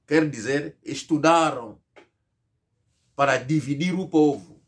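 Emphatic middle-aged man, high voice. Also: slow. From Angola. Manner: emphatic, rhetorical, mocking imagined replies. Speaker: political commentator. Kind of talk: monologue to camera. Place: small indoor room. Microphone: fixed camera, seated at medium distance.

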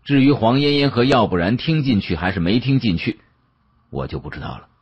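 Male audiobook narrator, very raspy, lively intonation, dramatic colloquial storytelling, slightly muffled recording. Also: medium pitch, brisk, dry recording. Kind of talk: dramatic first-person novel narration.

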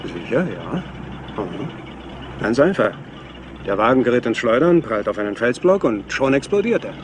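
Man as a lively, practical police sergeant amid noise. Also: mid-range voice, moderate pace, natural voice. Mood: explanatory. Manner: practical, explanatory. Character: matter-of-fact male mountain police sergeant at crash site. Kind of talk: German crime radio play acting. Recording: noisy outdoor car ambience.

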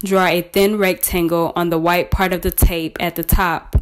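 A woman presenting a scripted step-by-step software tutorial in a measured, instructional way. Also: on the low side, level tone.

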